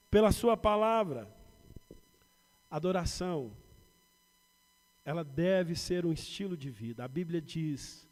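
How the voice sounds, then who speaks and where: A man with a São Paulo Brazilian accent preaches from the pulpit. His voice sits fairly high, rising on emphatic lists and sinking into quiet personal asides. The sound carries a long reverb from the church hall. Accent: Brazilian Portuguese, São Paulo. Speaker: pastor. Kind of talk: sermon. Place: church sanctuary.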